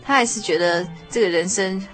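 A woman's voice: mid-range voice, normal speed, soft background music. A woman hosting a Christian radio interview in a conversational, attentive way. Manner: attentive, frequent short affirming murmurs.

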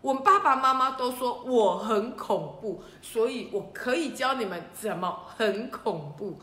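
A bright, bouncy little boy fire dragon, bossy and full of himself, put on by a woman reading a children's story. His high voice hops up eagerly. The room adds a roomy echo. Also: lively intonation, a little slow. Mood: boastful.

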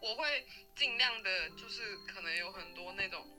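A young woman with a Taiwanese Mandarin accent, a university student guest chatting casually and telling stories with lively laughter. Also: medium pitch, moderate pace, music in the background, poor audio. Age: young adult. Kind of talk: casual interview chat.

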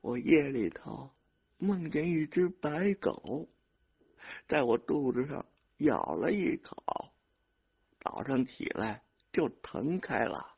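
A man's voice: mid-range voice, very animated, takes it slowly, creaky, slightly rough, pitched above the performer's own voice, heavily acted. A man voicing a sick, stubborn peasant woman in her eighties who speaks in a weak, moaning voice. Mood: weak, insistent. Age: 80s. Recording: dull lo-fi audio.

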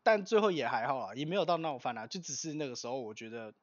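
A man on a podcast tells a story casually, rambling and relaxed, with many fillers. His pitch is average. The recording sounds dry and a bit dull, with no room echo. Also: quick pace. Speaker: podcast co-host. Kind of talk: casual chat.

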